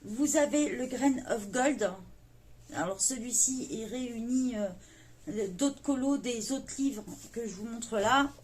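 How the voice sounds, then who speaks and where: Soft-spoken French woman, hesitant and earnest. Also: on the high side, takes it slowly, a little hiss or hum. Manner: hesitant, many fillers, gentle and earnest. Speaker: YouTube coloring channel host. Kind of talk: casual video address to viewers.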